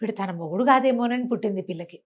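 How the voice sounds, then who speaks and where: A woman telling a village tale in a conversational way, animated and chatty with explaining asides. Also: medium pitch, quick pace, lo-fi sound. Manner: animated retelling, acting out characters' remarks, explaining asides to a co-host. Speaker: storyteller. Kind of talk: conversational oral storytelling of a village folk tale.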